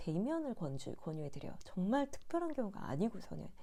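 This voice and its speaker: Her medium-pitched voice has a dark, mellow tone, and the woman moves at a fairly quick pace through very wide pitch swings. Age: 40s. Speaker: parenting author and channel host. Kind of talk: casual monologue. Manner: hesitant with fillers.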